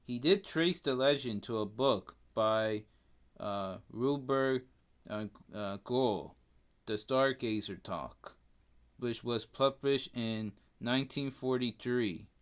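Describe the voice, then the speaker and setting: Here a native Spanish speaker with a Spanish accent co-hosts a relaxed podcast, haltingly reading out facts, tripping on names, and filling with lots of ums. His medium-pitched voice is clear and resonant.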